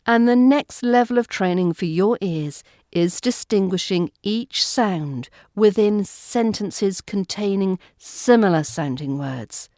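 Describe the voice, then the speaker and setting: A woman with an RP British accent, giving a scripted lesson as an accent coach, speaking in a clear, carefully enunciated way. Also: medium pitch, darkish tone, dry recording, studio quality. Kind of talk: scripted teaching narration.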